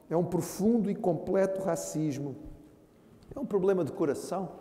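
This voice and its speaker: A man's voice: high-pitched, warm tone. A man with a Brazilian Portuguese accent, a pastor preaching a sermon who earnestly calls his listeners brothers. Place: church hall. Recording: echoey church hall with long reverb.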